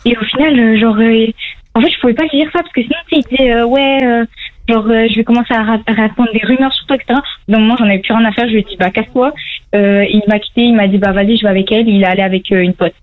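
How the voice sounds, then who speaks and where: A woman's voice: on the high side, fairly even intonation, rapid-fire. A teenage girl calling into a radio show, telling her story in a chatty way, saying "genre" a lot. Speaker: caller. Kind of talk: phone call to radio show. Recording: dull phone line.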